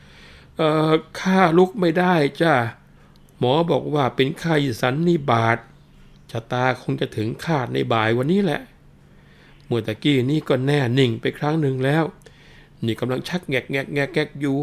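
A man's voice: medium pitch, normal speed, pitched above the performer's own voice, lightly acted. A man voicing a cowardly bald rich man who whines, wails and fakes illness and possession. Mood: feigning sickness. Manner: whiny, wailing, feigns illness and spirit possession.

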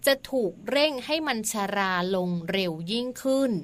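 A woman in her forties co-hosting a radio talk show, chatty and quick to laugh as she explains research in detail. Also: fairly high pitch, expressive. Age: 40s. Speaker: radio co-host. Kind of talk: casual chat.

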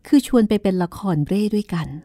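Gentle, sympathetic female fortune teller, slow and soft, read by a woman narrator over soft music. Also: medium pitch, lively intonation, pitched above the performer's own voice, close to an everyday voice.

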